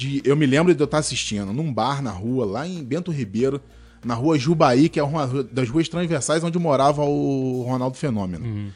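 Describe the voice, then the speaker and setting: With music in the background, a man speaks at a medium pitch. His pace is moderate, and his pitch variation is ordinary. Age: 30s. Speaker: podcast guest, football fan. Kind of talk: casual chat.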